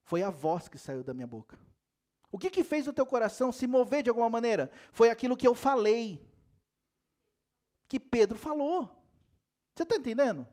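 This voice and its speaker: A man's voice: very high voice, very animated, normal speed, pauses often, a little mellow. A man preaching a sermon in a church, asking the congregation many questions and joking and laughing as he goes. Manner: talks straight to the congregation with many rhetorical questions; laughs and jokes while preaching. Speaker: pastor. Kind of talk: lively sermon.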